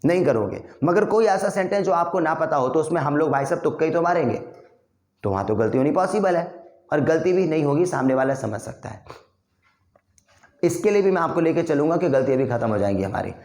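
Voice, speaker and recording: A man teaching spoken English, running rapid drills that switch between Hindi and English and clearing his throat now and then. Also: on the high side, lively intonation, darkish tone. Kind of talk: classroom speaking drill. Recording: echoey room.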